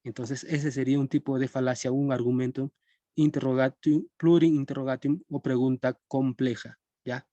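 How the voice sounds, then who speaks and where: A young man teaches a philosophy class over a live stream, and he keeps checking in with his students as he goes. His voice is mellow and relaxed, at a middle pitch. The sound is dry and close, with almost no room echo. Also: normal speed, muffled recording. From Peru. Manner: conversational, checks in with students often.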